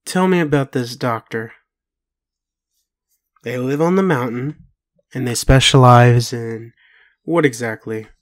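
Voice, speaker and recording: A man playing a bewildered, doubting but gentle partner in an intimate roleplay audio, speaking haltingly with pauses. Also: mid-range voice, natural voice. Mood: incredulous. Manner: halting, hesitant, full of pauses and sighs.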